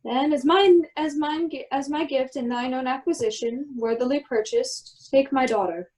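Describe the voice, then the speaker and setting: Woman doing a commanding wizard duke, quite high voice, formal old verse, radio play style. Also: moderate pace, a little mellow, close to an everyday voice, low-quality recording. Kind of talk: Shakespeare performed as a radio play.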